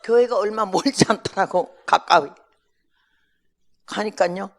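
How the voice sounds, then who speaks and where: An older woman missionary giving a testimony sermon, telling her story in a lively way and acting out the dialogue. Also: mid-range voice, a little slow.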